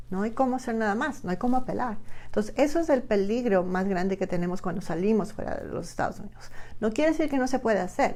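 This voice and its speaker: A woman speaks at a very fast pace with lively intonation. Her fairly high voice has a dark, mellow tone. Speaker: immigration lawyer. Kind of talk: informational Q&A segment.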